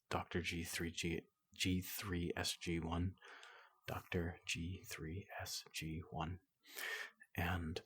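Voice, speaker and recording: A man speaking softly and hesitantly in an unscripted, hushed and slightly apologetic sign-off as an ASMR creator. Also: low-pitched, breathy edge. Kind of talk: soft-spoken unscripted ASMR outro. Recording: noticeable background noise.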